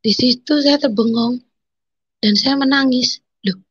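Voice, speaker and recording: Husky emotional woman telling her testimony. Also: a little high, steady tone, no echo, dull audio. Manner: emotional, halting storytelling with quoted inner speech. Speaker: testimony speaker. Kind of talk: personal conversion testimony.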